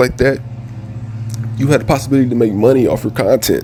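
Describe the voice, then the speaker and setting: Against noticeable background noise, a man of medium pitch speaks at a fairly quick pace. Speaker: podcast host. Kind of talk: casual rant. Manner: halting, repetitive.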